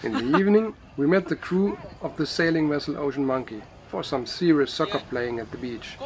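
A man whose first language is Dutch, calmly narrating a sailing vlog as voice-over. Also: on the high side, fairly quick, crowd noise. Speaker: vlogger narrating a sailing trip.

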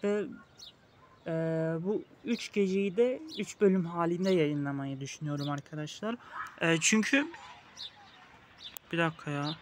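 A man's voice: a little high, normal speed, pauses often, slight background noise. A young man hosting a casual let's-play, talking the viewers through the game and playfully teasing the game baby with mock insults. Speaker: gaming video host. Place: outdoors in a park.

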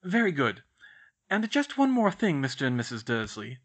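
A man voicing a stern, formal older woman professor who speaks in a crisp, clipped, disapproving way. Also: mid-range voice, wildly swooping pitch, moderate pace, fairly bright tone.

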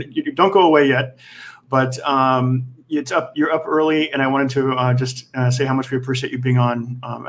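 A man hosting an online panel by video call, speaking haltingly and repeating words. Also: mid-range voice, fairly bright tone, a little hiss or hum. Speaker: host.

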